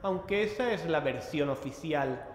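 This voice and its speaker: A man's voice: on the high side, expressive, a little slow, slight background noise. An actor playing a resolute, solemn male investigator who leads and narrates in a horror audio drama. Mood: serious, measured.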